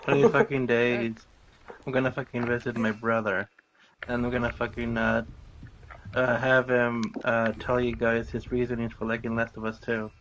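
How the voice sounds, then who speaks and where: A man's voice: medium pitch, little pitch movement, normal speed, a crowd in the background. A man in a casual gaming chat, blunt, swearing, hesitating with fillers. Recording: noisy background.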